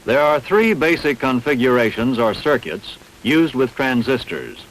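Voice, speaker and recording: A man reading scripted instructional narration in a measured, didactic, carefully enunciated way. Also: mid-range voice, very animated, low-quality recording. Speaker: training film narrator.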